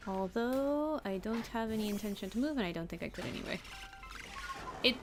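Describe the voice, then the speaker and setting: This fast-talking streamer offers casual live gameplay commentary, restating every line in both Japanese and English while chatting and replying to her chat. Her mid-range voice has lively intonation. She speaks over music.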